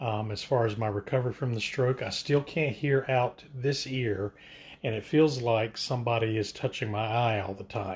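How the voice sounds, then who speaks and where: A man talks at a moderate pace in a medium-pitched, somewhat breathy voice. His intonation stays fairly even. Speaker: art tutorial host and stroke survivor. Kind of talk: casual tutorial livestream. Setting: indoors, Instagram live video. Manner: hesitant, with occasional stutter-like pauses; casual and filler-heavy.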